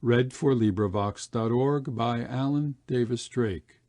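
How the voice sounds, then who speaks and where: A man reading a literary story aloud as an expressive audiobook narrator. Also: medium pitch, unhurried, no room sound. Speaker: audiobook reader.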